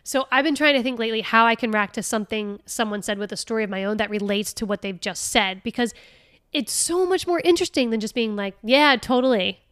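A woman hosting a casual solo podcast, chatty and laughing often, reading passages aloud with lively expression. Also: on the high side, fairly quick, smooth, no echo, clean studio sound. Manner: chatty, laughing often, with many fillers and restarts. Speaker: podcast host.

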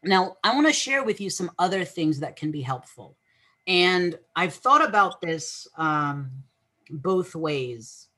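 Man, husky voice, earnest podcast guest, explains patiently, repeats himself mid-thought. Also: sits high, lively intonation, slow pace, sharp tone. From Egyptian family, raised English-speaking. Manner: earnest, explanatory, repeats words while thinking. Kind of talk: podcast interview.

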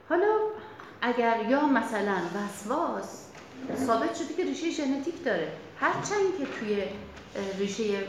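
A woman psychologist leading a workshop, explaining in a lively, chatty way to the audience. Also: medium pitch, slight background noise. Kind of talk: workshop lecture. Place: workshop room. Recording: very echoey room.

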